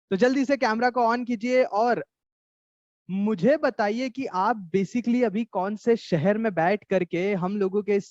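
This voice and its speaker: A man's voice: high-pitched, no room sound, muffled recording. A man hosting a live online session, politely coaxing participants and addressing them as sir.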